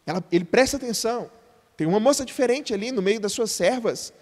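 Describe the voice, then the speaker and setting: A man's voice: sits high, lively intonation, brisk. A man with a Brazilian Portuguese accent, a pastor giving an earnest sermon and often calling the congregation brothers. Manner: earnest preaching that keeps addressing the congregation as brothers. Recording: reverberant church hall.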